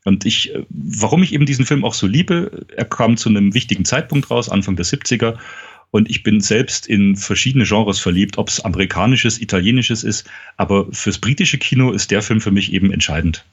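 Tiefe, heisere Männerstimme im Filmgespräch. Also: male voice, on the low side, fairly quick, breathy edge, dull audio. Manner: animated retelling of scenes, acting out dialogue. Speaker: podcast host. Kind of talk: casual film discussion.

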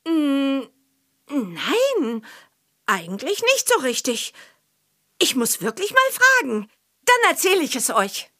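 A woman playing a cheerful young witch girl from a children's audio drama, chatting clearly as she answers questions. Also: sits high, huge pitch swings, slow, pauses often, sharp tone, full character voice. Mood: pondering. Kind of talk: scripted children's audio drama character interview.

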